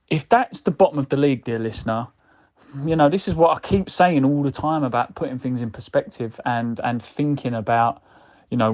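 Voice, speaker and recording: A man leaving a casual, rambling voice message of football reaction, addressing the listener directly. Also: medium pitch. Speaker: fan calling in with a voicemail. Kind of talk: casual match reaction monologue. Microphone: recorded voicemail message. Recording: dull lo-fi voice message.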